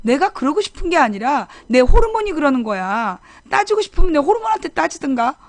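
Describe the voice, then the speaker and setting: A woman's voice: sits high, very animated, a little fast, no echo, voice pushed up. A woman voicing her cheeky teenage daughter talking back to her mother. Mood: sassy.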